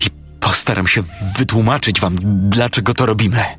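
A man's voice: on the low side, a bit bright, faint music behind, natural voice. A man doing a smug, fanatical killer principal. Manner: cold, smug, measured. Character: cold fanatical school principal, murderer, middle-aged man.

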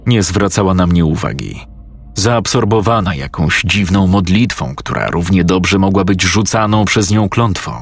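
A man narrating a first-person horror story slowly and with suspense. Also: deep voice. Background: faint music.

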